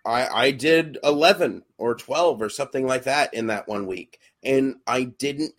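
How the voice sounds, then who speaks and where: A man's voice: mid-range voice, measured pace, fairly bright tone. A young adult man, a podcast co-host and actor, chatting casually and hesitantly with many fillers and restarts.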